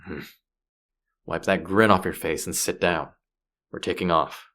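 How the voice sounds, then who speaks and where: Man playing a gruff, low-voiced sardonic space pirate. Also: unhurried, sharp tone, exaggerated voice. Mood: exasperated, defensive. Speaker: voice actor. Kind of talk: scripted audio roleplay, one-sided dialogue to listener.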